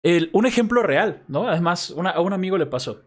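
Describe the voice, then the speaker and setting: A male university professor with a Mexico City accent giving a recorded class lecture, explaining patiently and often checking in with his students using quick tag questions. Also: high voice, lively intonation. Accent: Mexico City Spanish.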